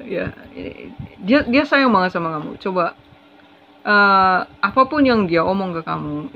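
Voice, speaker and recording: A tarot reader talking casually through a reading, expressive and quick to laugh, slipping in English phrases. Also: medium pitch. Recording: slightly muffled lo-fi recording.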